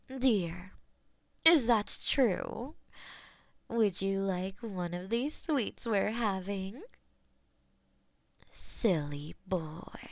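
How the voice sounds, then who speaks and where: A woman voicing a possessive, teasing female demon mistress who is smug and powerful, dropping at times to soft whispers. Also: mid-range voice, gravelly, no room sound, studio quality, heavily acted. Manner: teasing, slow and purring, drops to soft whispers. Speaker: voice actor in an audio roleplay. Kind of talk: audio roleplay acting.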